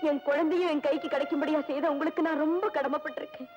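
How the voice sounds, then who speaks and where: A woman's voice: high-pitched, fairly even intonation, quick pace, lo-fi sound, close to an everyday voice. An actress playing a mother in an old film drama, speaking in an emotional, imploring way. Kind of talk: 1970s film drama acting. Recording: old film soundtrack with music.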